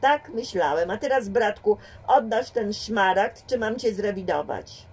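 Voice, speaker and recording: Woman playing a gruff fake police inspector. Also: medium pitch, animated, unhurried, a little mellow. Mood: mock-friendly. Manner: curt, dry, officious, mock-friendly. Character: gruff con man posing as a police inspector. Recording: distant home mic.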